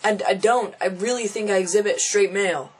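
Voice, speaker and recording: A man's voice: high voice, brisk, slightly rough. A young transgender man venting casually to camera, frustrated and thinking aloud, often restarting and repeating phrases. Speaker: vlogger.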